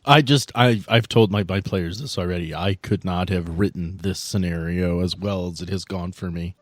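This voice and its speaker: A man's voice: sits low, moderate pace, dry recording. A man hosting and narrating a tabletop game in a playful, conversational way as he sets scenes. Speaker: host and game master.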